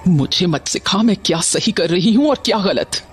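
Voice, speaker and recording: A woman's voice: lowish voice, expressive, normal speed, a little hiss or hum, lightly acted. An actress playing a bitter mother who harshly orders her son out of the house, in an audio drama. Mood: furious. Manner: harsh, scolding.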